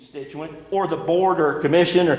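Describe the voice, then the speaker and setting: Speaking at a moderate pace with an Alabama accent, the man has a high pitch. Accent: Southern US (Alabama). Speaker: citizen activist. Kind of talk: public comment at board meeting. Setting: public meeting room. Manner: loud, projecting.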